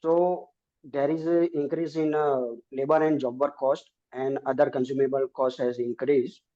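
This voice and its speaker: A man's voice: medium pitch, little pitch movement, moderate pace, warm tone. A man with an Indian accent, a company executive explaining figures on a conference call. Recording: dull lo-fi call audio.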